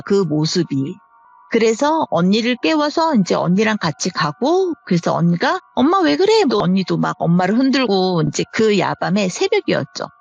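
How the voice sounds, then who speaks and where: A woman in her fifties tells a true horror story from her childhood in an easy, conversational way, slipping into the voices of her family as she goes. Her pitch rises and falls a lot and has a gravelly edge to it. The recording sounds slightly dull, with faint music underneath. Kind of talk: first-person horror story telling.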